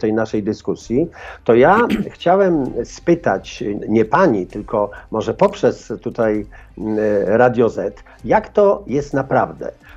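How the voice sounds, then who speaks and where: Very slow delivery with very wide pitch swings and a dark, mellow tone. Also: man. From Poland, Łódź. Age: 60s. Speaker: teachers' union official. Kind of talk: radio interview. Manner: halting.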